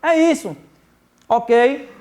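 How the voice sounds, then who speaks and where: A man with a high voice and a Brazilian Portuguese accent teaches a remote grammar lesson for young children. He talks slowly and patiently, says key words twice and keeps checking that the class follows along. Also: darkish tone. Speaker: primary school teacher.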